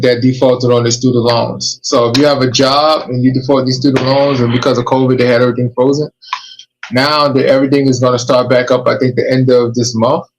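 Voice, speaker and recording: A man's voice: mid-range voice, slight background noise, poor audio. A man hosting a podcast, giving emphatic, streetwise warnings and advice in casual chat. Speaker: podcast host.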